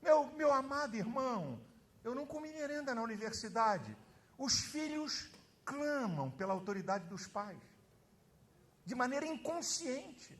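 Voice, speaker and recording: Fiery preacher with a high, bright voice. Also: male voice, sing-song, measured pace. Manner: fiery, emphatic, often shouting. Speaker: pastor. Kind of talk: sermon.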